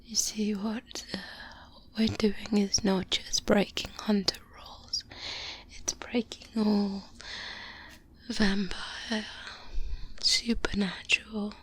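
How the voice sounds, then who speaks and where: A woman playing a seasoned, guarded vampire hunter mentor in an ASMR roleplay, speaking in a breathy whisper with measured, deliberate pauses, close to a binaural mic. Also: mid-range voice, little pitch movement, lightly acted. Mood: secretive, wry. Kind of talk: soft-spoken ASMR roleplay monologue. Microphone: close-up binaural microphone.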